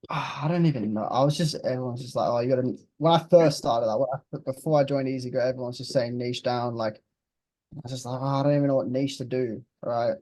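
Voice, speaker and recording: A young man of about twenty chats in a relaxed, blunt way, swearing now and then. His voice is mellow and warm, and the recording sounds dry and close. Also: mid-range voice, fast talker, no room sound. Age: 20s. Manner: laid-back, blunt, swears casually. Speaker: interviewed client. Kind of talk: casual interview chat.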